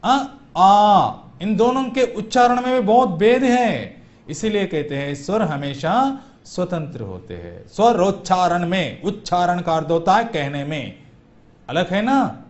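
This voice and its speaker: A man teaching Hindi grammar in a classroom, sounding out vowels slowly and asking the class questions he then answers. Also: high voice, sing-song. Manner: slow, repeats vowel sounds aloud for drill. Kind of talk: classroom lecture for exam prep. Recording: dull lo-fi classroom recording.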